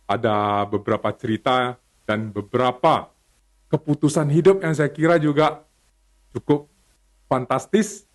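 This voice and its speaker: A man tells his life story as a guest. He talks in an earnest, motivational way. He repeats key phrases to stress them. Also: on the low side. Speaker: guest business founder.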